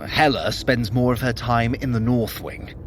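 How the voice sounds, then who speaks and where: A man's voice: mid-range voice, normal speed, long reverb tail, background noise, natural voice. An actor playing a haughty, sly male trickster god in an audio drama, wry and theatrically imperious. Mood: brisk, scheming.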